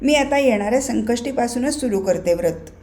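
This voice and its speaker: A tender, tearful noblewoman speaks softly and pleadingly in a storybook reading, as a woman narrator puts her on. Her voice sits high and bright. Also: animated, brisk, natural voice.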